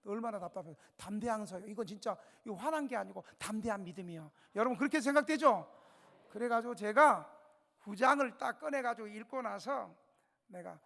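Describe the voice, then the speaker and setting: A male pastor preaching a revival sermon, telling stories dramatically, dropping to a hush and then rising loud, and putting questions straight to the congregation. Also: high voice, expressive, a little fast, creaky. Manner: dramatic storytelling, swinging between hushed and loud. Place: church sanctuary. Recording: long church reverb.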